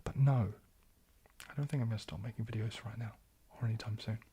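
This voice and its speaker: A young man hosting a casual livestream Q&A, soft-spoken and often slipping into a whisper. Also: lowish voice, fairly even intonation, quick pace, a little hiss or hum. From New Zealand. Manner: soft-spoken, drifting into whispers, frequent restarts. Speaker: ASMR livestream host.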